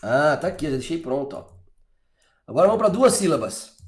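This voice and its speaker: A man's voice: on the high side, sing-song, brisk, roomy sound. A man with a Brazilian accent teaching English in a chatty, encouraging way, full of little fillers. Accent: Brazilian Portuguese. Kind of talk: live online English lesson.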